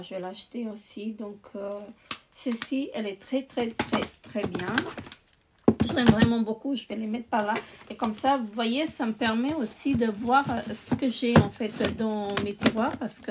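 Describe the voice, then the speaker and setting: A woman's voice: on the high side, unhurried, heavy background noise. A woman beauty vlogger chatting casually while showing her makeup, with lots of hesitations and restarts. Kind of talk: casual chat.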